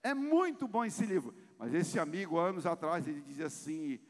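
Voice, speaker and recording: A man preaching a sermon to his congregation at a family seminar, speaking with passion and often swelling in loudness. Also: fairly high pitch, very animated, normal speed. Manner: addresses congregation directly. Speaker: pastor. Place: church hall. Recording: long church reverb.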